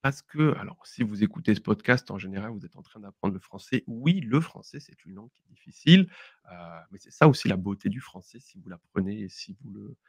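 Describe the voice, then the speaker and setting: A man's voice: lowish voice, lively intonation, a little fast, gravelly, breathy edge, dry recording. A young man from southwest France talks through everyday expressions in a casual podcast lesson. He explains patiently and breaks into laughter often. His tone stays friendly and conversational. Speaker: French teacher, podcast co-host.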